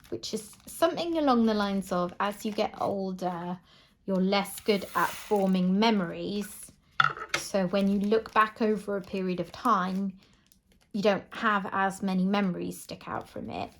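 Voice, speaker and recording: Chatty British woman over background noise. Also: mid-range voice. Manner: chatty, rambling, often chuckling. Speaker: craft channel host. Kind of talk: casual chat while doing a craft. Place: indoors at home.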